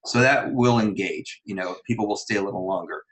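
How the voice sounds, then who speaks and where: A man's voice: fairly low pitch, brisk, a bit bright, poor audio. A man on a panel giving casual advice in an encouraging, reassuring manner.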